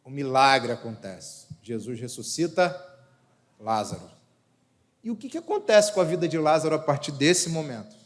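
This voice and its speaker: Animated Carioca pastor in a reverberant church. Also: male voice, medium pitch, normal speed. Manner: animated, rhetorical questions, humorous asides. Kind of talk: sermon with personal storytelling.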